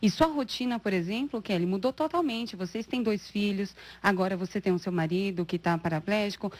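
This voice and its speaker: A woman interviewing a patient and his wife, asking measured, caring questions. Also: mid-range voice. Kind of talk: TV health interview.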